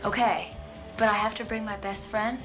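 A woman's voice: mid-range voice, level tone, moderate pace, over music, lightly acted. An actress playing a coy, hesitant teenage valley girl in a teen film. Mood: coy, curious. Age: young adult. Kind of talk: 1980s teen film acting.

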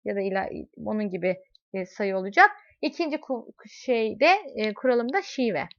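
A woman's voice: mid-range voice, animated, normal speed. A woman teaching a math lesson, explaining with everyday examples and asking her students questions as she goes. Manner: talks directly to students in second person. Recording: dull lo-fi recording.

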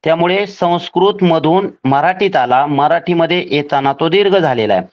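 A man teaching a grammar lesson for a scholarship exam, spelling out each rule slowly and deliberately, step by step. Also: fairly high pitch, lively intonation, dull audio.

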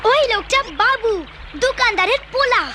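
A bright little village girl. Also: very high-pitched, normal speed, music in the background.

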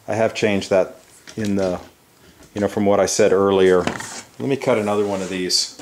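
A man's voice: lowish voice, fairly even intonation, normal speed. A man in his fifties giving a casual, folksy, hands-on woodworking demonstration in a rambling way. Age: 50s. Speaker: woodworking instructor, host. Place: indoor woodworking shop. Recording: echoey workshop with tool and rubbing noise.

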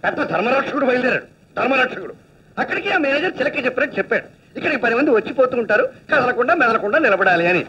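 Grumpy sarcastic husband: very high, very fast, sharp, heard from a distance on a lo-fi track. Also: male voice, lively intonation, slightly rough, full character voice. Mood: grumbling. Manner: grumbling, sarcastic, complaining. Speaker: husband of the aunt. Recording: distant, dull lo-fi film soundtrack.

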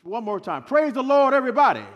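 A middle-aged man preaching as a guest pastor, loud and emphatic, calling for responses from the congregation. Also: very high voice, big pitch swings, quick pace, muffled recording. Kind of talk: sermon. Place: church stage, large sanctuary.

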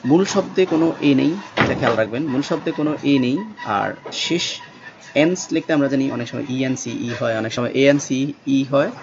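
A man whose first language is Bengali, teaching English spelling slowly and spelling words out letter by letter, with many pauses. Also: mid-range voice. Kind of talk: spelling lesson. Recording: dull lo-fi sound with faint background noise.

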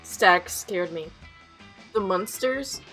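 A woman's voice: mid-range voice, lively intonation, extremely slow, a bit bright, faint music behind, poor audio. A young woman on a headset mic, playing a horror game and commenting nervously, laughing and asking questions. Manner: nervous, giggly, full of questions. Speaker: gaming streamer.

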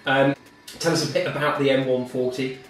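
A man's voice: medium pitch, flat delivery, brisk. Englishman interviewing in a very echoey room. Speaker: host, interviewer. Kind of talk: casual interview chat while gaming. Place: living room, indoors. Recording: echoey room, distant mic, faint music.

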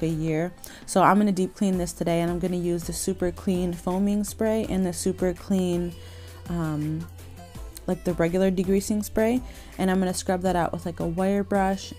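A woman's voice: lowish voice, fairly even intonation, moderate pace, mellow, faint music behind. A young woman vlogging and narrating her cleaning day, talking casually and candidly. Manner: tired, candid, chatty. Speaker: vlogger, mom. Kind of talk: casual vlog chat and voice-over. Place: car interior.

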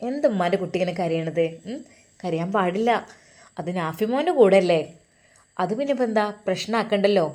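A woman's voice: mid-range voice, lively intonation, a little fast, mellow, lightly acted. A woman voicing a loving older Muslim mother who fusses over her children and comforts them. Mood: comforting. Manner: doting, coaxing, blessing her children.

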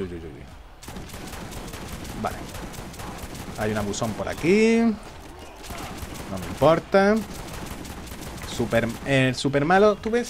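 Man, gameplay commentator, animated pitch, jokey, taunting enemies. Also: slight background noise. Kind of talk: live gaming commentary.

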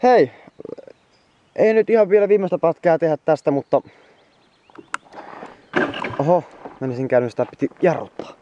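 A man's voice: on the high side, animated, pauses often, mellow, muffled recording. A worn-out young man vlogging from a moped trip, chatting casually to the camera and swearing often as he rambles on. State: exhausted. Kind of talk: casual travel vlog to camera.

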